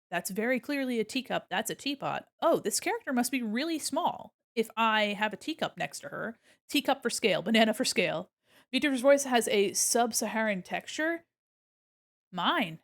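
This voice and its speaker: A woman hosting a casual art livestream, explaining as she works and speaking in a gentle, encouraging way. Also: fairly high pitch, expressive, moderate pace. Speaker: art streamer and critique host. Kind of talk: casual livestream commentary while drawing, reading chat aloud.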